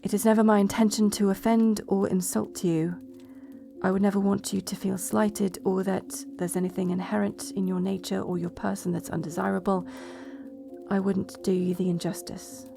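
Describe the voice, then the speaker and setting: A woman's voice: medium pitch, little pitch movement, normal speed, vocal fry, warm tone, soft background music, natural voice. A woman playing a proud, blunt betrothed princess in a medieval romance audio roleplay, sardonic and exasperated in manner. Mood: subdued reading. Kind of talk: romance audio roleplay acting, addressed to listener.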